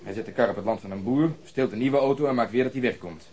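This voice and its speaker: A streetwise, hard-boiled male detective, played by an actor in a radio drama. He rattles his lines off in a medium-pitched voice, blunt, coarse and sure of himself. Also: fast talker, dark tone, natural voice. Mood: cocksure. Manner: coarse, slangy, cocksure. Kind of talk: radio play dialogue.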